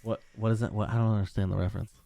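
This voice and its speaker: A young man co-hosting a gaming podcast, talking casually in a laid-back, halting way with frequent laughs. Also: lowish voice, little pitch movement, creaky, mellow, no echo. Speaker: podcast co-host. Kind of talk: casual chat.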